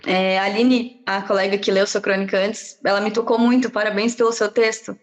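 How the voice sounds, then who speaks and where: A woman medical student with a Brazilian accent reads her own prose piece aloud over a video call, measured and reflective, with pauses between phrases. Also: mid-range voice, flat delivery. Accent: Brazilian Portuguese.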